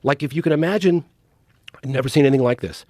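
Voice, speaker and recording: A man's voice: mid-range voice, fast, no echo, clean studio sound. A middle-aged man, a documentary filmmaker guest, telling a story in a casual podcast interview and acting out quoted dialogue. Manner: animated, acts out quoted dialogue.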